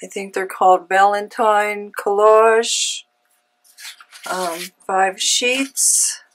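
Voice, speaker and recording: A woman with a cold hosting a casual craft tutorial, chatty and unhurried, with frequent ums. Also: mid-range voice, fairly even intonation, a little hiss or hum, rough recording. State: has a cold. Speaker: craft channel host. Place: home craft room.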